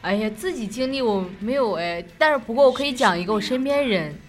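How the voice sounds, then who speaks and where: A woman's voice: a little high, animated, fast. A young woman with a Northeastern Chinese accent co-hosts a late-night show, telling ghost stories in a casual, rambling, repetitive way. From Northeast China.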